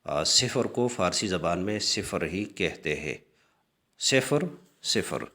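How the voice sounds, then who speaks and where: Brief: male teacher, deep low voice, slow lesson with frequent hesitations. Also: lively intonation, bright, forceful tone. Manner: clears his throat often. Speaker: language teacher. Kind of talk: screen-share language lesson.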